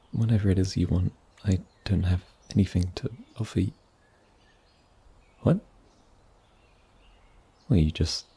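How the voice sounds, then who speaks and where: A man playing a gentle, wary and kindly forest mage in a fantasy ASMR roleplay, soft-spoken and a little hesitant. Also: low voice, gravelly, husky, heavily acted. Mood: startled, wary, then puzzled, cautious.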